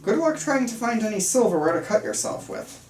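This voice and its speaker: A woman's voice: a little high, very animated, brisk, darkish tone. A woman playing an earnest, controlling male psychiatrist at a script table read, stumbling slightly and speaking clinically and insistently. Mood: calm, clinical. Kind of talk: table reading of a film script. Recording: roomy, distant mic, faint room noise.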